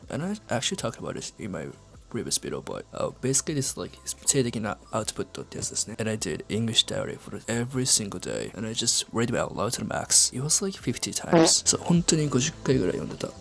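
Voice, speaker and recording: A young man who speaks English with a Japanese accent, Japanese being his first language, talking casually to camera in a halting way with many fillers. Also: mid-range voice, sing-song, vocal fry, fairly bright tone, soft background music. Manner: halting, filler-heavy, asks "right?" often. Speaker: English-learning YouTuber. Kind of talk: casual vlog talk to camera.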